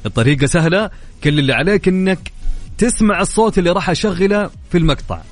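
A young man with a Saudi accent hosting a lively radio show, chatty and upbeat, answering his own questions. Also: high voice, quick pace. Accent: Saudi Arabic. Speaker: radio host. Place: radio studio. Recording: studio radio with faint music.

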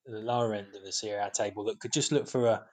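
Halting man, stumbling speech. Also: lowish voice, steady tone, darkish tone. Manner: halting, stumbles and restarts often. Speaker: podcast co-host. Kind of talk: casual football podcast chat.

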